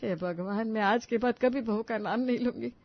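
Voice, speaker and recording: A woman voicing a dramatic, complaining elderly mother-in-law in an animated story, wailing and melodramatic. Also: a little high, moderate pace, highs cut off. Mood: relieved.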